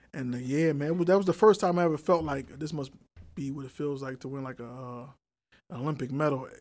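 A man talks in an unremarkable speaking voice at a fairly quick pace, with ordinary pitch variation. His loudness swings widely, and the recording is very clean with a silent background. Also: fairly high pitch for a man. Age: 30s. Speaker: podcast guest, host's longtime friend. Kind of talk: casual chat.

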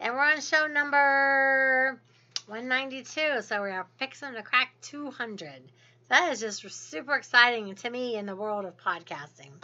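Her tone bright, sharp and animated, a woman speaks at a fairly slow pace with a high pitch and lively intonation. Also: big swings in loudness. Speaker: real estate investor. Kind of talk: podcast monologue. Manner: chatty, animated.

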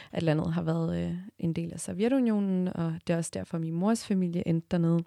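A woman at a moderate pace, in a very clean recording with a silent background and a dry, close sound with no echo. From Turkmenistan, Ashgabat; in Denmark from age 9. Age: 20s. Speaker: student. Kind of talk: interview. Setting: studio.

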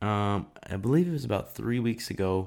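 A man with a Californian accent at a moderate pace, on a very clean recording with a silent background. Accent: Californian American. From Southern California. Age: young. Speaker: podcast host. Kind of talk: casual monologue. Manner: halting.

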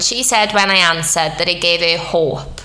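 Someone with a British accent speaks at a fairly quick pace amid noticeable background noise and audible room echo. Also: woman. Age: 30s. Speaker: podcast host. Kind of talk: casual solo podcast monologue. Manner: animated.

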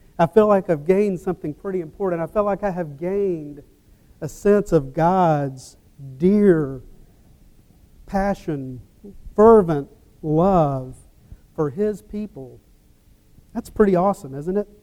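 With a Georgia accent, a man talks at a fairly slow pace in a high pitch with ordinary variation. His tone is dark and mellow, and he leaves long, frequent pauses. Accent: Southern (Georgia). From US South, rural Georgia. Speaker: preacher. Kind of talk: sermon. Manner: conversational.

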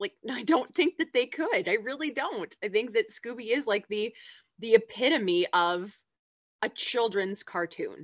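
A woman speaks at a moderate pace with lively intonation and an animated tone. The sound is dry and close, with no echo. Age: 30s. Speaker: podcast panelist. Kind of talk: casual chat.

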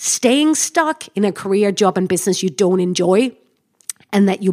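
Her voice sits at a medium pitch. This woman talks at a moderate pace. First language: not English. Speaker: podcast host, career change advisor. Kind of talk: solo podcast monologue. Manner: conversational.

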